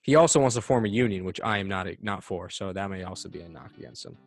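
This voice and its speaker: A man's voice: low voice, lively intonation, quick pace, vocal fry, faint music behind. A man hosting a casual podcast, joking around and swearing as he rambles. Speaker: podcast host.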